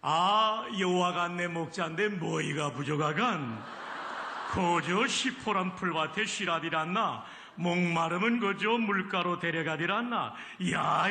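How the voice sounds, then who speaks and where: A man's voice: a little high, pushed and bright, a little hiss or hum. A man from Chungcheong, a pastor, introducing a playful reading of a psalm in regional dialects. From Chungcheong, South Korea. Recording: roomy echoing hall recording played back.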